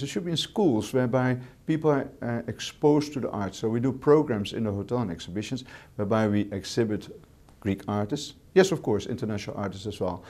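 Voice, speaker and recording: A man with a Dutch accent, a hotel manager answering interview questions in English as a second language, measured, with repeated words and fillers. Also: on the low side, a little mellow. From Netherlands.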